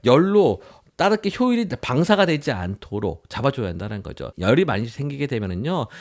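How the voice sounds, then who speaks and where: A man's voice: mid-range voice, sing-song, brisk. A man presenting a product review in an informal explanatory way, posing his own questions and stressing his sentence endings.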